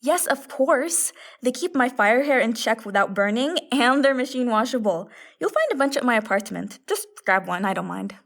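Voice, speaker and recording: A woman playing a sassy, matter-of-fact female jinn and her deadpan security system in scripted audio fiction. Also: fairly high pitch, moderate pace, vocal fry, hardly any pauses, very echoey. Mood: brisk, casual.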